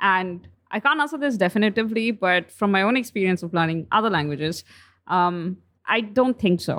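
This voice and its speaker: On a very clean recording with a silent background, a woman with a Bengali accent speaks at medium pitch with lively intonation. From India, Bengali. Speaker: podcast co-host. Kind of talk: casual chat.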